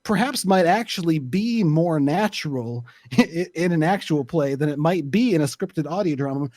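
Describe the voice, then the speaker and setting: A man explaining his opinions in a casual discussion, deliberate and often searching for the right words. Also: on the high side, lively intonation, a little mellow, no echo. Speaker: panelist, actual play creator.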